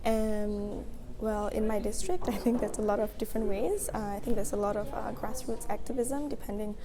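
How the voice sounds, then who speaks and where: A woman's voice: mid-range voice, steady tone, normal speed. A young woman from Singapore answering interview questions thoughtfully, with frequent ums and laughs.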